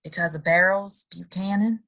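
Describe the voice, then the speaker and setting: An actress playing a wistful young saloon woman in a Western audio drama, curious and hesitant, with expressive pauses. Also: lowish voice. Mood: coy, probing.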